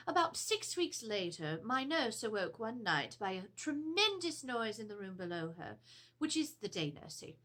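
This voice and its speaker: A middle-aged woman playing a troubled Edwardian lady of the house, earnestly and deliberately reading out her letter as drama. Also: medium pitch, bright, forceful tone. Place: home, before a draped cloth backdrop.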